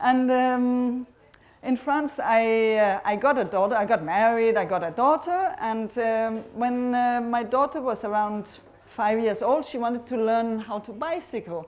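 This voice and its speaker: A woman speaks in a French accent at a fairly slow pace. Her pitch is fairly high, with ordinary variation. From Denmark. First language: Danish. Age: 40s. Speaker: violin maker and runner. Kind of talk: talk to a festival audience. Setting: stage with audience. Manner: halting.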